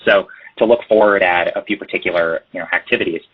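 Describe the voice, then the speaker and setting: A man speaking as a company executive answering questions on an earnings call, halting and repeating words for emphasis. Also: low voice, fairly even intonation, slightly rough. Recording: muffled, band-limited conference call line.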